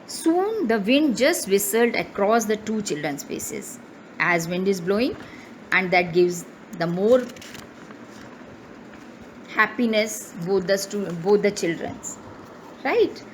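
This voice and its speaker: Indian woman teacher, slow and lively. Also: medium pitch, slight background noise, rough recording. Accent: Indian English. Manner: reads a line, then explains it and checks with "right?". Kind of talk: online class reading and explaining a story.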